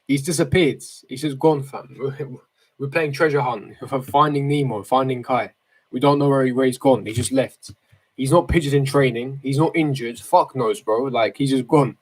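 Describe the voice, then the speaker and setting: A young man of about eighteen talks casually to a livestream chat at a mid pitch. He is slangy and opinionated, often repeating a phrase to press his point. The voice is picked up by a desk microphone in a bedroom. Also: normal speed, breathy edge, poor audio. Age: 18, late teens. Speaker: football fan streamer. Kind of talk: casual livestream chat, reading and answering viewer comments. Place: small bedroom, indoors. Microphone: desk microphone close in front.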